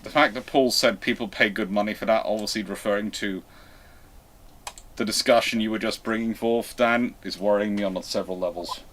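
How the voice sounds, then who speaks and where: A man with a fairly low voice hosts a casual live stream. He rambles chattily as he takes questions and talks them through. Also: fairly even intonation, a little fast, a bit bright, a little hiss or hum.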